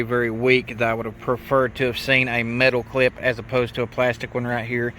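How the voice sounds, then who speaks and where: Man, medium pitch, plainspoken and folksy, casual hands-on review, faint background noise. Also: pushed and bright. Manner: folksy, plainspoken, colloquial grammar. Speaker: product reviewer, mechanic.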